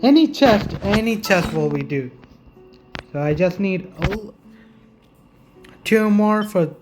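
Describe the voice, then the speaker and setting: A woman giving casual gameplay commentary, thinking aloud in short, halting remarks. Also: mid-range voice, lively intonation, darkish tone. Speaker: gaming video creator playing through a story quest. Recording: game music behind the voice.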